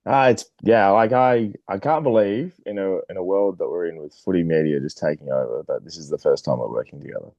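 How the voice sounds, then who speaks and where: A man joining as a guest, eager and halting with restarts, heard over a dull, dry remote line. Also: low voice, darkish tone, no echo. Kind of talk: casual interview chat.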